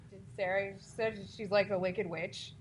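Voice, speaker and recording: A woman's voice: medium pitch, fairly even intonation, a little hiss or hum, rough recording. A woman on a live podcast panel, chatting casually about a film and jumping in with jokes. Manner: jumps in with jokes and quick quotes. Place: live theater stage.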